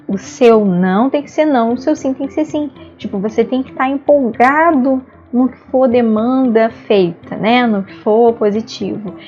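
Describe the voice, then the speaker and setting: A Brazilian woman teaches an online ABA therapy lesson, her fairly high voice moving at a moderate pace with hardly any pauses and a slightly mellow tone. She explains patiently in Brazilian Portuguese, often adding "né?" tags and acting out praise and "no" examples. The highs are cut off, and soft music plays underneath.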